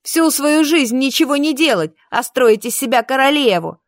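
A woman voicing a brash, quick-tempered young witch student, yelling and combative. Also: high voice, animated, no echo, clean studio sound, voice pushed up. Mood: furious yelling.

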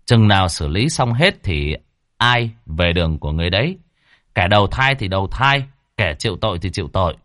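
A stern young exorcist scolds and gives firm orders in a lowish, lively voice, as a man acts him out. The sound is close and dry. It is a storybook figure. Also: brisk, no echo.

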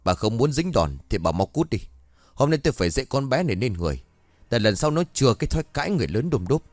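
A spiteful middle-aged aunt, voiced by a man in a spoken ghost story. She scolds in quick, harsh bursts, her pitch leaping up and down. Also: sing-song, no room sound, close to an everyday voice. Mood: furious. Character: cruel, shrill-tempered middle-aged aunt.

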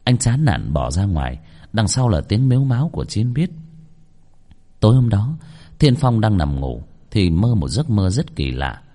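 A man narrating a horror story in a dramatic, animated way. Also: fairly low pitch, moderate pace.

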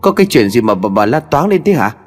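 A man voicing a bad-tempered older husband who barks quick threats, in a horror story with long reverb and faint music. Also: medium pitch, big pitch swings. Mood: angry. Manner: rapid, barking, threatening.

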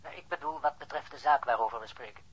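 An actor playing a formal, inquiring official in a radio drama, speaking politely. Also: male voice, medium pitch, fast talker, husky, close to an everyday voice, low-quality recording. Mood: formal, probing. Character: formal, inquiring male official on the detective's case. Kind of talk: radio drama acting, dialogue.

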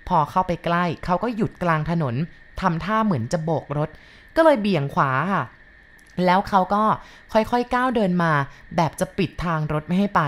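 A woman calmly retelling a listener's ghost story in a polite, measured way. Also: lowish voice. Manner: calm, polite, measured retelling with soft sentence endings.

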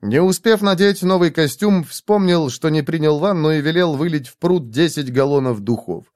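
Male audiobook narrator: lively, expressive, fairly high voice, dry recording. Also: moderate pace, no room sound.

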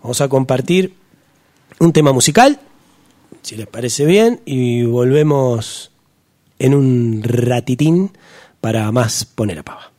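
Argentine man, radio host, mid-pitched voice, friendly, easygoing. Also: animated, slow pace, pauses often, dark tone. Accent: Argentine Spanish. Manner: friendly, easygoing wrap-ups. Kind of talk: casual radio presenting.

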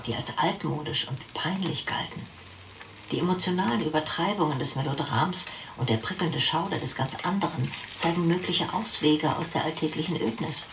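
A performer plays a scholarly lecturer in a radio drama. The delivery is academic and measured, like a scripted essay, with clear sizzling noise behind the voice. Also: medium pitch, lightly acted. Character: scholarly lecturer expounding on melodrama.

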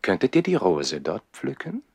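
An actor playing an ardent, playful young baron in a 1960s radio play, eager and courtly, with a husky voice. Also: male voice, fairly low pitch, huge pitch swings, moderate pace, a little mellow, no room sound, studio quality, exaggerated voice. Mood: courteous, eager.

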